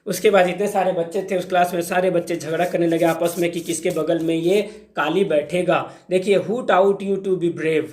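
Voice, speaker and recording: Male tutor, high-pitched, slow careful reading then chatty explaining. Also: steady tone, darkish tone. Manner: reads English text slowly, then explains in Hindi. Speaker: teacher. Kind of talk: explaining an English lesson in Hindi.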